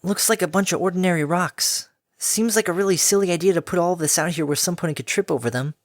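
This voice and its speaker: A man's voice: high voice, fast, no echo, studio quality, pitched above the performer's own voice, close to an everyday voice. A man voicing a cocky tomboy filly. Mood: cocky awkward. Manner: cocky, awkward, smirking. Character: brash tomboyish young filly pony.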